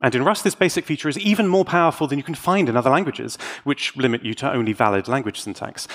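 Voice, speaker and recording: A man's voice: medium pitch, a bit bright. A man giving a technical conference talk in a playful, enthusiastic manner, with rhetorical asides. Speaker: conference speaker and tech YouTuber. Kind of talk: live technical presentation.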